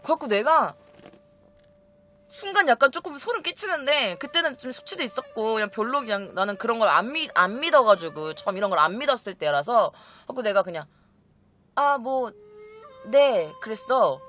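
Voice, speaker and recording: Lively, bright-voiced young woman storyteller. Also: a little high, moderate pace. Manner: animated, acts out quoted relatives in shifting voices. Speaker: vlogger telling a story. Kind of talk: casual storytelling to camera. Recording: faint music behind.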